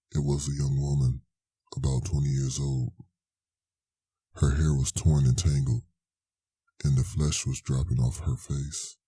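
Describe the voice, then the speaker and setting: A man narrating a scary story in a deliberate, suspenseful scripted style. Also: extremely low pitch, warm tone, husky, dry recording.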